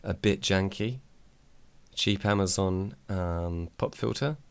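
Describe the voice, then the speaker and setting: A man's voice: slow pace, creaky, clean tone, no echo. A man, reviewing a microphone in a casual, dry, self-deprecating way. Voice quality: low voice. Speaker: tech reviewer. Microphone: desk microphone on a mic arm.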